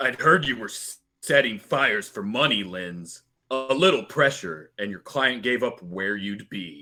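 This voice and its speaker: Using a put-on character voice at a medium pitch, a man talks at a moderate pace with lively intonation and big swings in loudness over background music. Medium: stage play. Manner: deadpan, dry.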